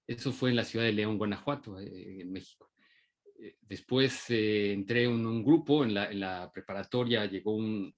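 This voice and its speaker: Hesitant Mexican man, low voice. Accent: Mexican Spanish. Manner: hesitant, many restarts and fillers. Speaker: invited puppeteer speaker. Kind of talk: informal online talk.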